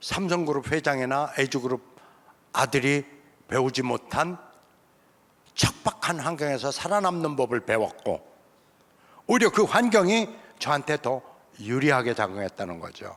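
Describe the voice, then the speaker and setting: A man with a fairly high voice speaks at a fairly slow pace, leaving long, frequent pauses. His tone is animated, and his pitch swings very widely. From South Chungcheong, Korea (Cheongyang area). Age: 60s. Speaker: church elder and marketing lecturer. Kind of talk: motivational testimony talk.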